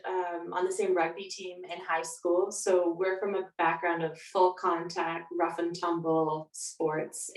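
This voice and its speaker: A woman speaking as a guest author, answering conversationally in an interview. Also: lowish voice. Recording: roomy, distant from the mic.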